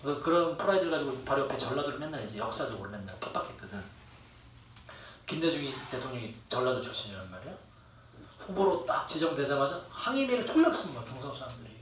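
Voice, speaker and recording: A young man lectures a class in a mid-range, fairly bright voice, talking animatedly and quickly. He rambles, jokes with students and swears freely, recorded by a distant mic in an echoey room with faint ambience and a little hiss or hum.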